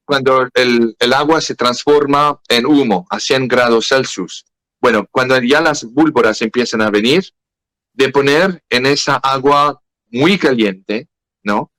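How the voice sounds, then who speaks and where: A man with a French accent speaking Spanish as a second language in a podcast interview, halting and searching for words. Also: medium pitch, fairly bright tone, dry recording, low-quality recording. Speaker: guest.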